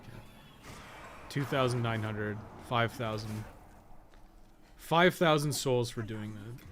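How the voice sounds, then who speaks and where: Slow-paced and a bit bright, a mid-range male voice comes through with a little hiss or hum as he comments loosely on a game. He's a podcast co-host and game guide writer who muses aloud, asking himself questions and trailing off into tangents.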